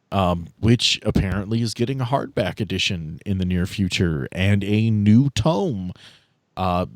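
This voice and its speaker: A man's voice: lowish voice, a little mellow, no echo. A man hosting a tabletop game podcast as game master, chatting casually.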